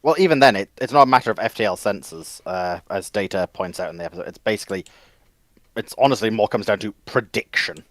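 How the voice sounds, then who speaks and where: Lower-pitched man, dry close sound. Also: quick pace, a bit bright, no echo. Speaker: panelist on a live discussion. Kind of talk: casual explanatory discussion.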